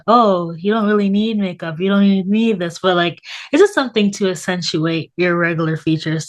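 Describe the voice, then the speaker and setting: A thirty-year-old woman from Canada with a Canadian accent, chatting casually as a guest in an informal, meandering way. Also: lowish voice. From Toronto, Canada. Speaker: interview guest. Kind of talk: casual chat.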